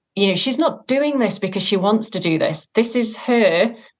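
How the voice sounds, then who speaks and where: A woman speaks in an unremarkable speaking voice at a medium pitch. Her pitch varies in an ordinary way, and the background is quiet. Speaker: veterinarian. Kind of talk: interview conversation. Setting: podcast interview.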